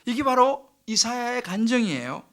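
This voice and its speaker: Man, pastor, sermon, very high pitch, lively swings, loud to near-whisper. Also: normal speed. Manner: animated storytelling, acts out quoted prayers and crying. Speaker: senior pastor. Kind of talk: sermon at a midweek service. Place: church sanctuary.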